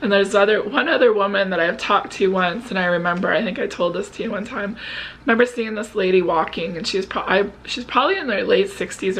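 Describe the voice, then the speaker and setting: A woman's voice: medium pitch, a bit bright, slight background noise, low-quality recording. A woman of about fifty talking casually and earnestly to her viewers in a confessional way. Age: 49, turning fifty. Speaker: vlog host. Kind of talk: casual personal chat to viewers.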